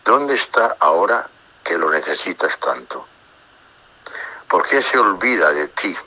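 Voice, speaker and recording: A priest speaks slowly and reflectively in a radio religious talk, reading psalms and pausing to comment. His voice is husky but bright and forceful, and it sits low. He often stumbles and repeats words as he gathers his thoughts. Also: very animated, highs cut off. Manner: unhurried, reflective, reads psalms aloud and comments; frequent hesitations and repeated words. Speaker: priest giving religious talks. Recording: radio broadcast.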